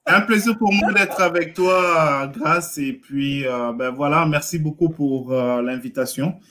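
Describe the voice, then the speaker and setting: A man from Montreal of Congolese descent speaking casually and haltingly as a guest in a live interview. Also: fairly high pitch, bright, forceful tone. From Montreal, Canada, of Congolese descent.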